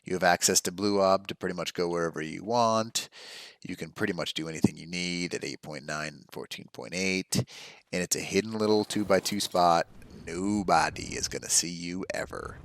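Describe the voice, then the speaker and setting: A man's voice: low voice, normal speed, a bit bright. A man hosting a game walkthrough, talking viewers through spots on the map in an enthusiastic, casual way. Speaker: gaming channel host.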